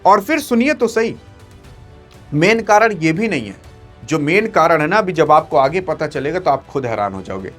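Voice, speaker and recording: High-voiced man in dramatic news commentary. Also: very animated, normal speed, a bit bright, soft background music. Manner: dramatic, emphatic, talks straight to viewers. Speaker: news video host. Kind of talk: excited news commentary to camera.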